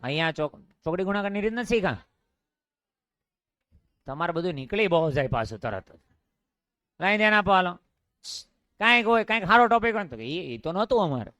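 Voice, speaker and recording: Male physics teacher, Gujarati accent, smooth voice with a slightly high pitch, dry close sound, drills the class with questions. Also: sing-song, a little fast, long pauses, sharp tone, no room sound. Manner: drilling, repeats each question and answers it himself. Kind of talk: classroom lecture with call-and-response questions.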